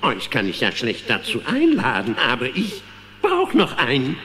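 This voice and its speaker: A man's voice: mid-range voice, wildly swooping pitch, moderate pace, a bit bright, long reverb tail, slight background noise. An actor playing a jolly, tippling old woodworm who tells his story in a theatrical, chuckling, rambling way for a children's audio play. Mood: tipsy, gleeful. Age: older.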